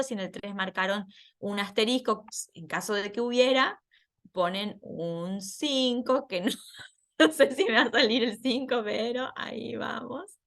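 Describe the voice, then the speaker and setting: A woman's voice: a little high, fairly bright tone. Patient woman teaching an online class. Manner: patient, explanatory, laughs at herself.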